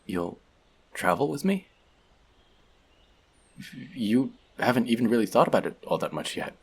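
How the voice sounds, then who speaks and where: A man's voice: medium pitch, very animated, measured pace, breathy edge, heavily acted. A man playing an earnest, bookish elf outcast in an audio roleplay, confiding in a friend in a hesitant, self-doubting way. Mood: surprised, delighted. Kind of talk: scripted audio roleplay addressed to the listener.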